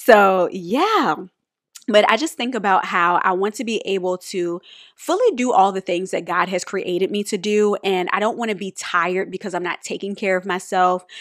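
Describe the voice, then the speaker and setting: A woman's animated voice at medium pitch, with ordinary pitch variation and a moderate pace. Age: 30s. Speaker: podcast host and author. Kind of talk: casual solo podcast talk.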